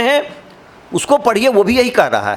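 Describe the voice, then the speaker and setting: A man speaks at an extremely high pitch with a Bihari accent. Noticeable background noise runs under him. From Bihar, India. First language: Magahi (speaking Hindi). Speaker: professor, keynote speaker. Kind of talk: lecture. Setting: auditorium with audience.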